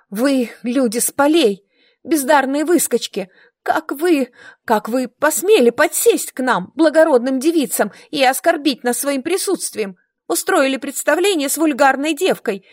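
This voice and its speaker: A vain young noblewoman, put on by a woman reading aloud, spits out her words in a high, strained voice. She sounds loud and scornful, pitched well above an ordinary speaking voice, and the dry sound sits close to the mic. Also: expressive, normal speed, few pauses, no echo. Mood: indignant shrieking. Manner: hissing, indignant and scornful. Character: haughty young noble girl, vain and shrill.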